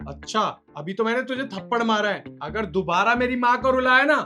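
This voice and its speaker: A man's voice: very high-pitched, animated, brisk, bright, forceful tone, faint music behind, exaggerated voice. An actor playing a hot-tempered young husband who angrily threatens his wife in a family drama. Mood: angry. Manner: angry, threatening. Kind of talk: Hindi family drama acting.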